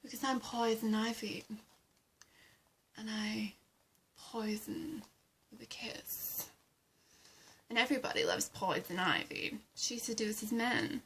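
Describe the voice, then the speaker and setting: A woman playing a haughty, seductive plant villainess with a breathy voice and a condescending, theatrical drawl in an amateur roleplay. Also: a little high, moderate pace, hardly any pauses, fairly bright tone, slight background noise, rough recording. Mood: vain, sultry.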